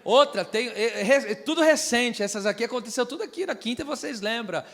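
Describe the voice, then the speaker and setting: A man's voice: very high voice, animated, brisk, a bit bright, in a large hall. A man preaching a sermon as pastor, teaching and asking the congregation to repeat after him. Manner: teaching, asks the church to repeat phrases and check understanding. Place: church hall.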